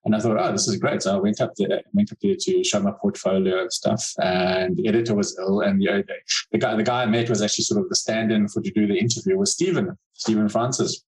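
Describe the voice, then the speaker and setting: A middle-aged man from South Africa speaks casually as an interview guest. His voice sits low, and he pauses and restarts often with ums and uhs as he searches for words. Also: fairly even intonation, darkish tone, rough recording. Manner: hesitant, many fillers and restarts. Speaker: cartoonist guest.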